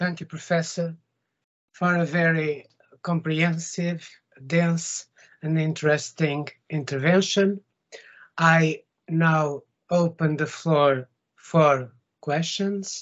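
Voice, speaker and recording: Over a quiet background, a man with a Portuguese accent speaks at a very slow pace in a monotone, flat intonation, leaving long, frequent pauses. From Portugal. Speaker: diplomat and moderator; moderator. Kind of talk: moderated webinar. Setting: video call. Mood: reminiscing, calm. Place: office. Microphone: video call.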